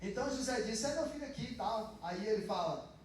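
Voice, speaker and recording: A Brazilian Portuguese pastor with a high voice preaches a sermon in a casual, talky way, slipping into the voices of the people he quotes. He is picked up from a distance in a big church hall that rings with heavy echo, with a faint hum of room noise behind him. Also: expressive, brisk. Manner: conversational preaching, acts out quoted blessings. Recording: echoey church from afar.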